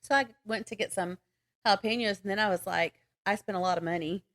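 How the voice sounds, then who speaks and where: A woman podcast co-host talks casually, as if catching up with a friend. Her pitch sits in a middle range for a woman, and her manner is teasing and giggly. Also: fast talker, a bit bright.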